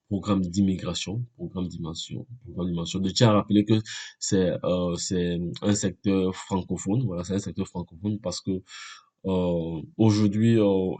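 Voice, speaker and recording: A man's voice: low voice, mellow, breathy edge. A man with a head cold explaining an immigration program in a casual walkthrough, repeating himself and saying "voilà" often. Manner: repetitive, many fillers, frequent "voilà". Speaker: video creator giving immigration advice.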